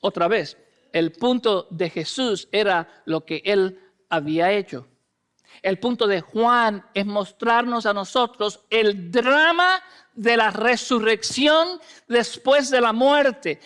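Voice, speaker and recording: A man preaching a sermon as a pastor. He reads scripture, acts out the people in the story and moves between loud emphasis and hushed lines, with English fillers dropped into his speech. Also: extremely high pitch, clean tone. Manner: acts out the voices of the people in the text.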